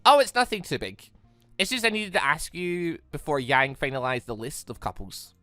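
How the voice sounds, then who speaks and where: A man voicing an earnest, patient young man in a visual novel, hesitant and gently coaxing. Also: fairly high pitch, animated, moderate pace, no room sound, soft background music. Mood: hesitant, explaining. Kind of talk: visual novel character reading.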